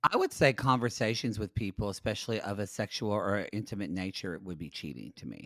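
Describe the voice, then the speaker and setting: An American-accented man with a fairly low pitch talks at a fairly quick pace with hardly any pauses. It is an unremarkable speaking voice with ordinary pitch variation and big swings in loudness. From Oklahoma. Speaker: podcast host. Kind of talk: casual chat.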